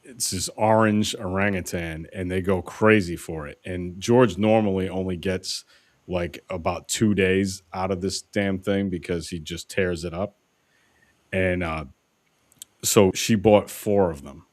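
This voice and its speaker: A man with a very deep voice talks through a casual podcast chat. He rambles and swears, stacking "uh" and "you know" as he goes. His sound is close and dry. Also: fairly even intonation, measured pace, no room sound. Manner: rambling, profane storyteller with many fillers. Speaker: podcast co-host.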